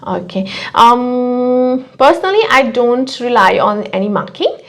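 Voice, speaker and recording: Female co-host and teacher, slightly high voice, casual and direct in advice and questions. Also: expressive, measured pace, fairly bright tone. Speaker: exam prep teacher, co-host. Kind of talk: casual Q&A chat.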